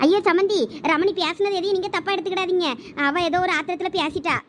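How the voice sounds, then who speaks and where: A woman with a high voice talks rapidly in a fairly even intonation, with a little hiss or hum on the recording. Performing a village family comedy skit, she voices several village women in a pleading, emotional quarrel.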